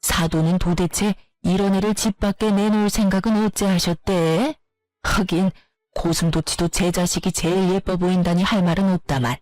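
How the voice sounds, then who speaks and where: A woman's voice: fairly low pitch, fairly even intonation, normal speed, darkish tone, dry recording, faint music behind, close to an everyday voice. A woman voicing a contemptuous middle-aged mother-in-law who berates and insults her daughter-in-law. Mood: scornful.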